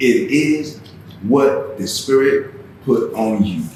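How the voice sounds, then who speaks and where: A man's voice makes very wide pitch swings in an animated, passionate tone. Audible room echo and noticeable background noise come through. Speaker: business consultant. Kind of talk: casual podcast interview.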